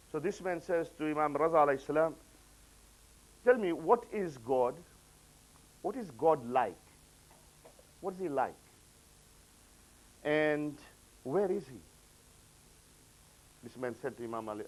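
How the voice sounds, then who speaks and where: A man with a noticeably high-pitched voice delivers a sermon to a gathering. He climbs higher and louder when quoting, then sinks into soft, low asides. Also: expressive, a little slow, pauses often, low-quality recording. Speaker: preacher. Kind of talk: religious lecture.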